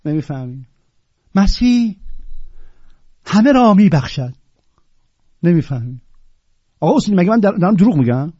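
A man giving an impassioned lecture on Sufi poetry, swinging from loud declaiming to low, blunt, mocking asides. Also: big pitch swings, long pauses, slightly rough, dry recording, lo-fi sound.

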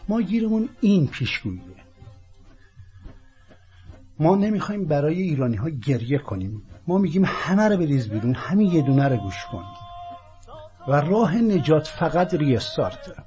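A man from Iran with a Persian accent, hosting a political program as an emphatic, declamatory monologue in deliberate, repeated phrases. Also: fairly high pitch, sing-song, dark tone. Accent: Persian (Iranian). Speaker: host of a political talk program. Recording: dull lo-fi audio with music underneath.

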